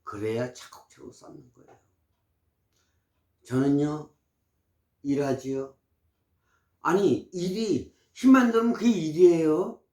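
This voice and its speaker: A man's voice: fairly high pitch, takes it slowly, long pauses, darkish tone. A man in his sixties giving health advice in casual, emphatic, preachy talk to camera. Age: 60s. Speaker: vlogger. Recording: roomy echo.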